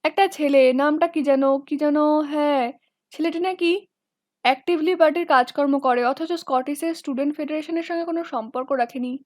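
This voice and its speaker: A woman's voice: sits high, normal speed, dry recording, studio quality, lightly acted. A woman voicing a young male student in a storybook who drags out his words, stressing each and letting it drop. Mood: languid.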